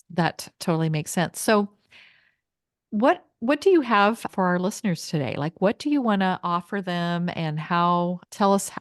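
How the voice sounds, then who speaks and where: Chatty middle-aged woman, low voice. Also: dry recording, studio quality. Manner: chatty, rambling, laughs often. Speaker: podcast host and coach. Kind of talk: casual interview chat.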